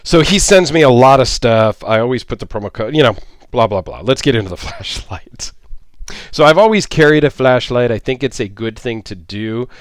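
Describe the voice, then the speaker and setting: A man's voice: mid-range voice, animated, normal speed, dry recording. Middle-aged man, casual, dry sound. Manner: rambling, many ums and restarts, friendly. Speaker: YouTube reviewer. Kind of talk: casual product review.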